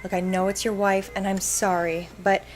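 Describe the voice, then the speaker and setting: A woman's voice: mid-range voice, little pitch movement, moderate pace, over loud music, close to an everyday voice. A woman playing a security guard in a fan web drama, giving a firm but apologetic, official warning.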